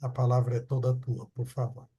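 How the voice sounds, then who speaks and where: Mellow, husky male host. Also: mid-range voice, flat delivery, normal speed, muffled recording. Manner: welcoming, reassuring. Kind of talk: hosting an online talk. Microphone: video call.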